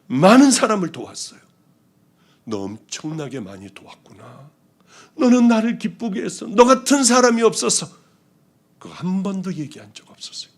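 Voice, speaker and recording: A male pastor with a slightly high voice gives a testimony sermon, recounting his story with strong feeling. He moves back and forth between hushed passages and loud ones.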